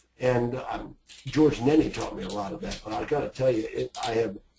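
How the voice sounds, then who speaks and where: His pitch is medium and varies in an ordinary way as the man speaks at a moderate pace. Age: 60s. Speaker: sales and social media trainer for car dealers. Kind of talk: webinar Q&A. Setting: online webinar. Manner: animated.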